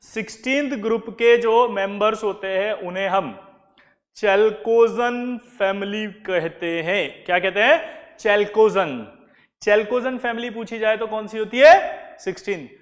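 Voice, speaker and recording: A man's voice: sits high, normal speed, big-room sound. A male chemistry teacher lecturing a class, who keeps quizzing his listeners with repeated questions.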